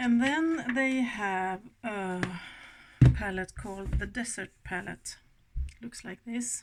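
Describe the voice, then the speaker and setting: A woman with a non-native accent speaks very slowly, with ordinary pitch variation and long, frequent pauses. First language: Swedish. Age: 50s. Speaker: beauty vlogger. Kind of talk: casual chat. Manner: chatty, rambling.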